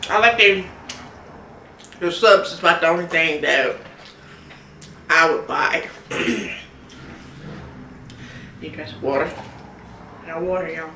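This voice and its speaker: A woman's voice: low-pitched, slow, pauses often, bright, forceful tone, a little hiss or hum. Chatty woman vlogger in echoey room. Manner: chatty, storytelling, laughs often. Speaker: mukbang vlogger. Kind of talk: casual chat while eating.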